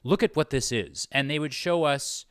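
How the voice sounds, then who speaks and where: A man's voice: fairly high pitch, normal speed, a bit bright, clear, resonant tone, no echo, studio quality. A man interviewing in a casual, conversational way, circling tentatively toward his points. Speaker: interviewer, host.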